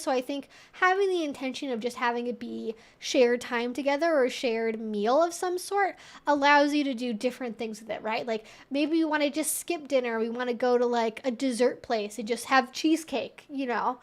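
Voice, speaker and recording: A woman hosting a live Q&A, talking casually and explaining things in a conversational, animated way, often acting out imagined thoughts. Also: high-pitched. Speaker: host of a weekly live Q&A stream. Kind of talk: casual educational chat, answering viewers.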